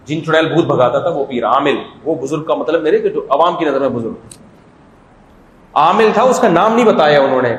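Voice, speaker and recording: A man's voice: medium pitch, lo-fi sound, slight background noise. Joking man preaching in an echoey room. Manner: joking, conversational storytelling. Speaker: mufti giving a religious talk. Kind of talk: humorous Islamic sermon.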